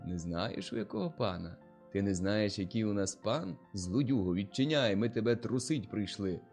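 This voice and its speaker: A bossy older village head barks orders and insults, as a male narrator puts him on. The voice is low and blustering. Faint music runs beneath. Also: expressive, moderate pace, a little mellow. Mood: angry.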